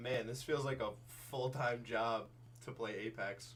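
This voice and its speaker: The speaker talks at a moderate pace in a flat monotone, with audible echo from the room. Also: man. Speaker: gaming streamer. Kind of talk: live stream gaming chat.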